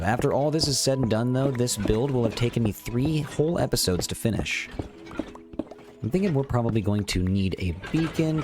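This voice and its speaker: A man's voice: mid-range voice, creaky, noisy background. A man with a slight cold giving casual, chatty gameplay commentary as host of a gaming series, thinking aloud as he goes. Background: music.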